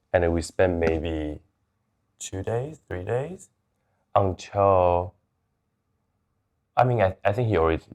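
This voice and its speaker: A man's voice: deep voice, vocal fry. A man from Taiwan who moved to Chicago, talking candidly and conversationally as an interview guest.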